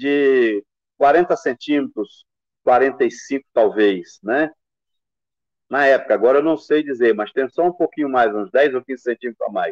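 A man's fairly high voice against a quiet background, with long, frequent pauses. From Brazil, Maranhão. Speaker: sailor and boat builder; guest. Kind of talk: casual chat. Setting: video call. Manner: halting. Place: home room. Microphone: video call.

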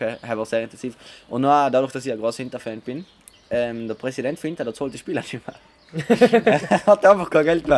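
Talking at a very fast pace with a South Tyrolean accent, a man shows big swings in loudness and ordinary pitch variation. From South Tyrol, Italy. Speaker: podcast host. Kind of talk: casual podcast conversation. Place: garden. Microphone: studio mic.

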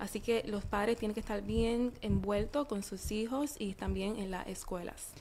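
An unremarkable speaking voice from a woman at medium pitch, fairly slow and with hardly any pauses, its intonation fairly even. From Puerto Rico (born Dominican Republic). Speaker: psychotherapist. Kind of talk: radio interview. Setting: radio studio.

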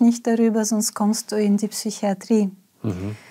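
A woman talks at a fairly slow pace in a dark, mellow tone. The background is quiet. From former Soviet Union (Russia). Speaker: spiritual teacher and author; spiritual teacher. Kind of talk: interview. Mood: calm, reflective. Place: studio. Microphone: lapel.

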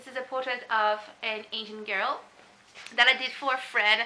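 Using a raised, projected voice, a woman speaks at a moderate pace. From France. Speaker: artist and YouTuber. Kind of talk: art tutorial voiceover.

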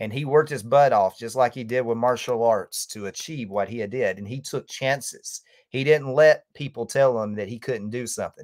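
A man talks at a moderate pace with hardly any pauses and ordinary pitch variation. His loudness swings widely against a quiet background. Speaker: podcast co-host. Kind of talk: casual chat. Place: home room. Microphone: webcam.

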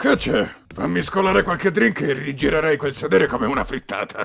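Using a raspy, put-on character voice, a man speaks at a moderate pace and a fairly high pitch. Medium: fan dub. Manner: gruff, crude, unbothered.

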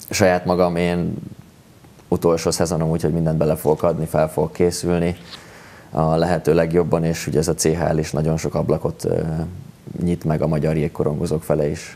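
A man with a very deep, low pitch and a dark, mellow tone talks fairly quickly in a flat monotone, broken by long, frequent pauses. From Hungary (Székesfehérvár), born in Transylvania; Hungary. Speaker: ice hockey player; guest. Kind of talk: TV interview. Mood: relaxed, smiling. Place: studio. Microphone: lapel.

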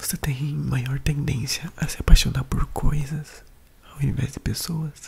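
The voice is whispering and soft-spoken. The pace is fairly slow. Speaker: ASMR roleplay examiner. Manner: whispered, soft-spoken. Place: home room. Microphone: studio mic.

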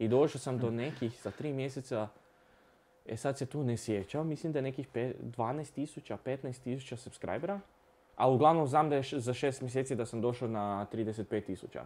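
An unremarkable speaking voice from a man, medium in pitch with ordinary pitch variation, at a fairly slow pace. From Croatia, Koprivnica (Podravina); Croatia. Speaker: gaming streamer. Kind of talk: casual interview. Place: studio. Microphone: studio mic.

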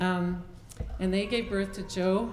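Against light background noise and audible room echo, a woman speaks with fairly even intonation. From Oregon, US Pacific Northwest. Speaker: law school academic support director; law professor giving a speech. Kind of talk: speech at a celebration. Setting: event with live audience. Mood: warm, grateful, reflective. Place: hall. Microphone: handheld.

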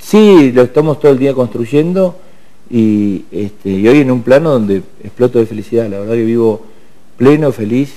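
A man with a medium pitch and a dark, mellow tone talks at a moderate pace with lively intonation. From Argentina, Buenos Aires province (Coronel Suárez); Buenos Aires province, Argentina. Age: 50s. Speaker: motivational speaker. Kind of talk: interview. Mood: warm, reflective, spiritual. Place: studio. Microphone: lapel.

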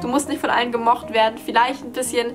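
Over clear background music, a woman talks very fast at a high pitch. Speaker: book vlogger. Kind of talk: casual vlog chat. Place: home room. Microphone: webcam.

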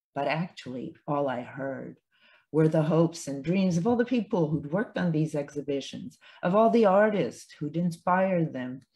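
A woman speaks at a moderate pace in a very deep, low voice with a dark, mellow tone. Her intonation is lively. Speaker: theater director; poet or writer reading her work. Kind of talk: event hosting. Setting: video call. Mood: calm, reflective. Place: home room. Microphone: video call.

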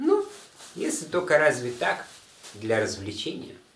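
Audible room echo surrounds a man's speech. There is light background noise as well. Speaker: storyteller. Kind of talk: reading a fairy tale aloud. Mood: warm, playful storytelling. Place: home room.

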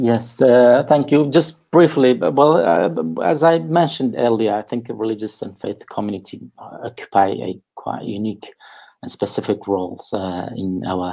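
Against a quiet background, a man talks at a moderate pace with lively intonation and a dark, mellow tone. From Iraq. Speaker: NGO network coordinator; panelist. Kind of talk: panel remarks. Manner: halting, many fillers. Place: home room. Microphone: video call.

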